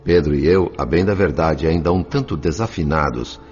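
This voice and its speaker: An actor playing an earnest, reverent spirit apprentice who narrates a radio drama in formal, literary language. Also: male voice, very deep voice, normal speed, darkish tone, long reverb tail, lo-fi sound, faint music behind.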